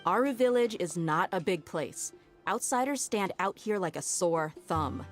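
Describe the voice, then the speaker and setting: A woman's voice: on the low side, expressive, a little slow, faint music behind. A woman playing a shrewd, confident female mercenary in a video game, with a folksy, self-assured, explanatory delivery. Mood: firm, assured.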